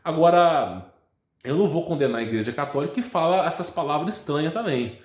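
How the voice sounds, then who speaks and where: A man with a Brazilian Portuguese accent hosts a channel and answers viewer questions in a casual, rambling way, often stopping to check with a quick "tá?". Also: fairly high pitch, expressive, echoey room. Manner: rambling, restarts words, ends phrases with a checking "tá?". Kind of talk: casual religious talk.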